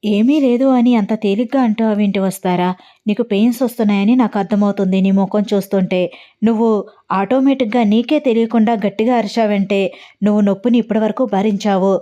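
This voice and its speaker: A woman's voice: medium pitch, fairly even intonation, brisk, dark tone, lo-fi sound, natural voice. A woman voicing a stern but caring female university professor who scolds and asks urgent questions, in a read-aloud story. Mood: alarmed, scolding.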